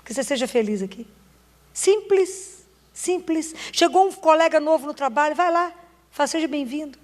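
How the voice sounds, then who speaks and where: Woman, Brazilian Portuguese accent, high voice, earnest sermon, long hall reverb. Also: fast. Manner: emotional and earnest, with short urging phrases. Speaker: Catholic preacher.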